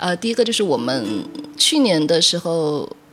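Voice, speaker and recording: Talking at a very fast pace, a woman makes very wide pitch swings against noticeable background noise. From China, Guizhou. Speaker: startup founder. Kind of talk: interview. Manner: halting, many fillers.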